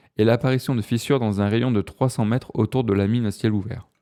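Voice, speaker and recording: A man talks at a moderate pace with fairly even intonation and a dark, mellow tone. The sound is dry and close with no echo, over a quiet background. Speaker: streamer. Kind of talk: reading aloud with casual comments.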